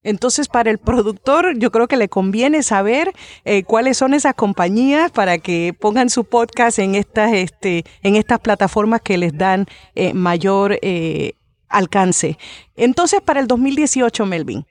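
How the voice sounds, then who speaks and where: A woman's voice: mid-range voice, lively intonation, a little slow, no echo. Chatty woman guest, close and dry sound. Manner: chatty and friendly, bilingual, with many fillers. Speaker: podcast guest. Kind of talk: conversational podcast interview.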